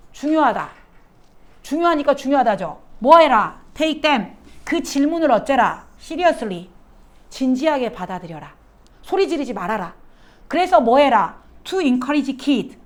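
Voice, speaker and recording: Animated high-voiced woman teacher. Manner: animated, quizzing students with rhetorical questions. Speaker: English teacher. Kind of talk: exam lecture.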